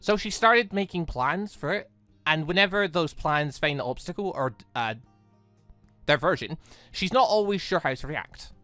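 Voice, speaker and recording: A gaming host with a bright, forward voice in a dry, close-sounding recording. The delivery is chatty and animated, moving between casual commentary and reading game text, sometimes breaking off mid-thought. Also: mid-range voice, normal speed, no echo, faint music behind.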